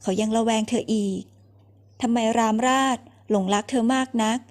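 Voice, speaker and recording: A woman's voice: fairly high pitch, steady tone, moderate pace, darkish tone. A woman narrating a romance novel in an audiobook, reading steadily.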